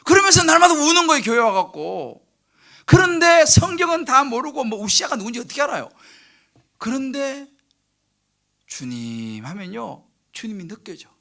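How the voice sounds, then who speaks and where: Middle-aged male pastor, bright gravelly high voice, animated sermon delivery. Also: normal speed. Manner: animated storytelling, acts out quoted prayers and crying; swings from loud bursts to hushed near-whispers. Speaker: senior pastor. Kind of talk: sermon at a midweek service. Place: church sanctuary.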